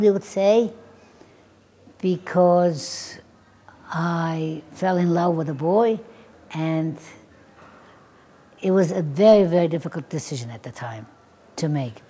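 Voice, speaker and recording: A woman from Syria, a nun whose first language is Armenian, speaking slowly and reflectively in a documentary interview, pausing between phrases. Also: on the low side, mellow.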